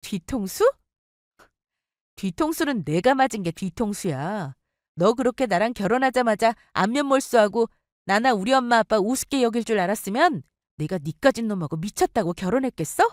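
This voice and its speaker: A woman voicing a furious wife who scolds with sharp contempt. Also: on the high side, expressive, normal speed, dry recording, studio quality, lightly acted. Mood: scornful.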